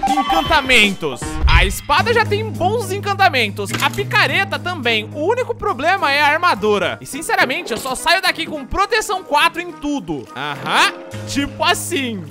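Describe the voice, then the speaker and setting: A high-voiced Brazilian man commenting casually on his gameplay. His delivery swings up and down, playful and full of slang, over clearly audible music. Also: wildly swooping pitch, normal speed. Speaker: gaming video creator.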